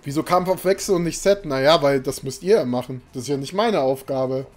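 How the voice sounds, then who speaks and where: A young man live-streams a game from a small room at home, chatting loosely and rambling to viewers, now and then erupting in exasperation. His voice sits a little high with a darkish tone and a brisk pace. It's picked up by a desk mic and webcam, with faint game music in the background.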